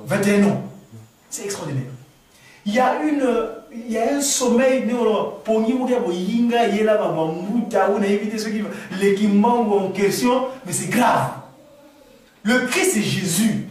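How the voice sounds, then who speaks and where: Speaking at a normal pace, this high-pitched man from the Republic of the Congo responds to audience questions at a gathering. He's animated, often repeats himself and starts over, building to exclamations, and is recorded from afar in an echoey room.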